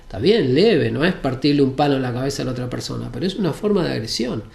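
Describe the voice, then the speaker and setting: A man's voice: mid-range voice, animated, fast talker, creaky, darkish tone, roomy sound. A man giving a spiritual self-help talk, explaining step by step and checking in with "¿está bien?". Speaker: spiritual teacher. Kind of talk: recorded talk on personal change.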